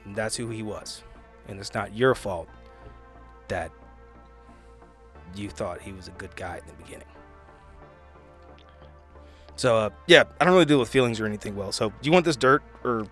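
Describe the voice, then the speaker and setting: Man playing an awkward, low-voiced bookish guy. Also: a bit bright, faint music behind, close to an everyday voice. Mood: consoling, blunt. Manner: halting, mumbling, blunt. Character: awkward gruff bookish man, emotionally clumsy but kind.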